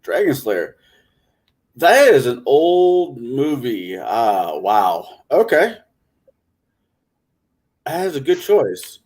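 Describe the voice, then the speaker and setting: A man's voice: medium pitch, very animated, drawn-out words, pauses often, darkish tone. A man chatting casually as a guest on a live talk show, asking questions and reacting. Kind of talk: casual chat.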